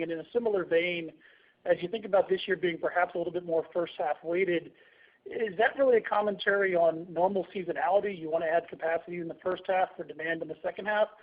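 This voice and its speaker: A male analyst asks courteous questions over a narrow, tinny phone line. He talks quickly in a somewhat high voice, in a conversational way. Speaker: financial analyst asking questions. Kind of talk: polite, conversational questioning on a call.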